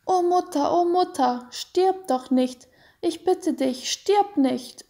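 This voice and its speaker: A woman voicing a small, frightened boy in a storybook reading, pleading in a high, crying voice. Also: a little slow, dark tone.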